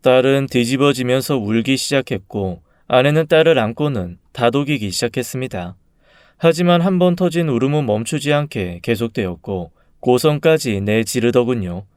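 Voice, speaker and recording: Male story reader, calm and subdued, resonant and clean. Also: mid-range voice, normal speed, clean tone, dry recording, studio quality. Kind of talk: first-person story narration.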